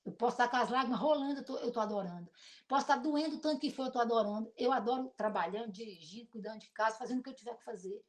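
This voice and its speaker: A middle-aged woman pastor with a Brazilian accent and a deep voice, preaching an emotional sermon built on personal testimony. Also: racing. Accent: Brazilian Portuguese. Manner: emotional, animated storytelling with shifts between loud and soft.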